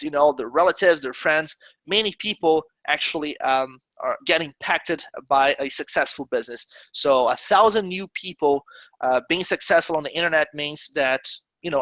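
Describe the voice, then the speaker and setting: A high, bright male voice with a Brazilian accent, recorded close and dry. He talks earnestly to a webinar audience and keeps reassuring them with fillers and "okay?" check-ins. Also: no room sound, low-quality recording. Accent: Brazilian Portuguese. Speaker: webinar host. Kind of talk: live webinar presentation.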